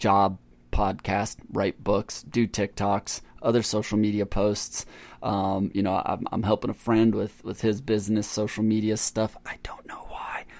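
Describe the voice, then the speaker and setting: A man's fairly low pitch in a monotone, flat intonation at a fairly slow pace. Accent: American. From Pennsylvania, US. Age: 40s. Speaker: podcast host. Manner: rambling, self-correcting, conversational; warm, laughs often.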